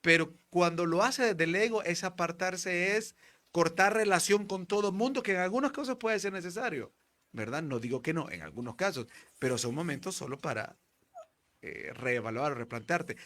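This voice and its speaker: A man hosting a spiritual talk show, telling stories with animated acted-out voices. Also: sits high, normal speed. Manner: animated storytelling, acts out quoted voices. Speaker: host.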